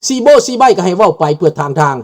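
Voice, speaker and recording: An older political commentator based outside Laos gives an impassioned political monologue in a high, darkish voice, talking fast and animatedly. He mixes Thai and Lao and frequently asks the audience questions.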